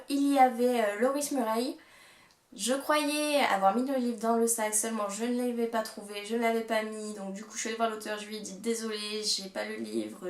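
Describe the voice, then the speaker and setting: A woman's voice: fairly high pitch, reverberant. A young woman with a French accent chatting casually through a book haul vlog, with many fillers, recorded at home on a camera mic. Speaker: book vlogger.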